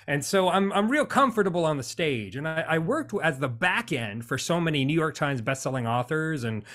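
A man's voice: on the high side, animated, moderate pace, fairly bright tone. An American man chatting as a podcast guest, cheerful and talkative, laughing easily. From United States. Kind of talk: casual interview chat.

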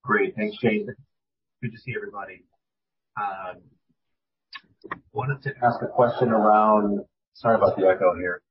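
A man asking polite, halting questions as an analyst over a video call, his audio carrying an echo. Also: lowish voice, steady tone, a little hiss or hum. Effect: echo on his audio line. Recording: muffled echoey call audio.

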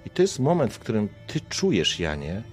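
A man's voice: lowish voice, wildly swooping pitch, normal speed, faint music behind. A young man acting as game master, narrating a tabletop game with vivid, dramatic scene descriptions.

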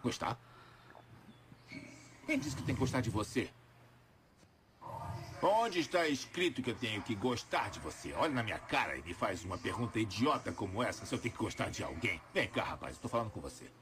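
A man's voice: on the low side, very animated, a little fast, pauses often, background noise. An actor dubbing a film role as a stern, hardworking father harshly lecturing his teenage son. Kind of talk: dubbed film scene.

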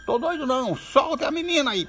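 A man voicing an excited little boy who pretends to be King Arthur, speaking eagerly and boldly. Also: extremely high pitch, a little fast, soft background music, pitched above the performer's own voice, full character voice. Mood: defiant. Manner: eager, bold and playful.

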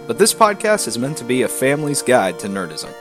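A man's voice: medium pitch, very animated, brisk, faint music behind. A man reading a short promo for another podcast in an upbeat announcer style. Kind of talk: promo voice-over.

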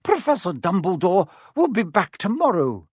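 A man's voice: high voice, wildly swooping pitch, normal speed, darkish tone, slightly rough, no echo, voice pushed up, full character voice. A man voicing a stern, strict older female professor who speaks coldly and curtly in a storybook reading. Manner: clipped, cold.

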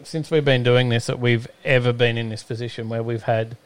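A man's voice: medium pitch, steady tone, brisk, clear, resonant tone, dry recording. An Australian man hosting a live stream in casual, rambling chat, hesitating often as he goes. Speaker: host of a live-streamed show.

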